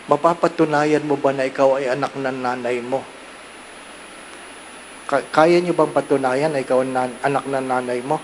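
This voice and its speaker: A man's voice: medium pitch, a little hiss or hum, poor audio. A man with a Filipino accent, a Catholic priest giving a homily, mixing Tagalog and English and often asking his listeners rhetorical questions. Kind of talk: sermon.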